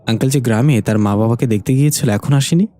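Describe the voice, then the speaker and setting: A man's voice: mid-range voice, fast, mellow, soft background music, close to an everyday voice. A man voicing a cheeky young woman, the heroine's best friend, in a teasing, crude joking way.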